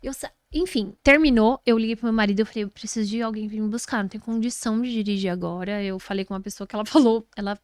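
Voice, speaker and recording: A woman's voice: medium pitch, fast talker, few pauses, no echo, studio quality. A woman with a Brazilian Portuguese accent, a guest telling a story in a casual interview and acting out what people said. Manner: animated, acts out quoted speech.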